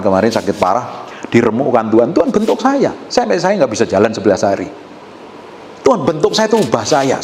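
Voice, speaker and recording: A male pastor, preaching a sermon and teasing the congregation, swinging between quiet asides and loud outbursts. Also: sits high. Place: church hall with a congregation. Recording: echoey hall with faint room noise.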